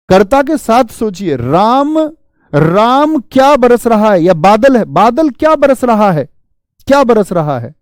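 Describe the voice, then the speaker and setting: Teacher guy, fairly high voice, dry close sound, keeps firing questions at the class. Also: darkish tone, no room sound. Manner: asks questions and answers them himself, addresses students as friends. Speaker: Hindi teacher. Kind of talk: classroom grammar lesson.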